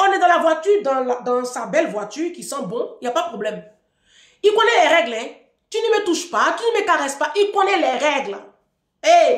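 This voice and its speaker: A woman's voice: high voice, echoey room. A woman in her thirties telling a personal story as relationship advice, emphatic and speaking straight to her listeners. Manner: lively, emphatic, addresses listeners directly.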